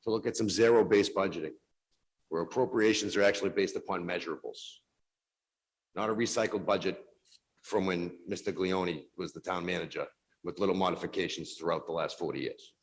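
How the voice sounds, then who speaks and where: A man speaking as a city councilor in a council meeting, forceful and exasperated, making his case with rhetorical questions. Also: sits low, fairly even intonation, fairly quick, low-quality recording. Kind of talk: council floor speech. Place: council chamber.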